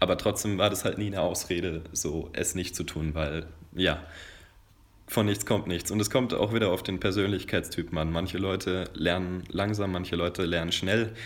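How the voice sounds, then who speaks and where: Fairly even in intonation, a man speaks at a moderate pace. His pitch is very deep and low. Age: 20s. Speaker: dating and self-development coach. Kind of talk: interview.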